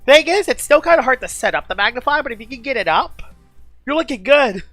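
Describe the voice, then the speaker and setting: Bright, lively woman streamer. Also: sits high, fast talker, dry recording, soft background music. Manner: excitable, gushing, chatty. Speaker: game streamer. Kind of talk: casual live-stream chat.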